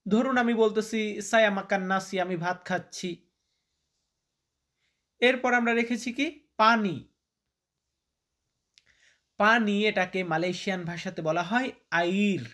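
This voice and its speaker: A man's voice: high-pitched, slow, long pauses, sharp tone. A man teaching vocabulary, repeating each word and quizzing the listener. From Bangladesh. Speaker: language teacher. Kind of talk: vocabulary lesson.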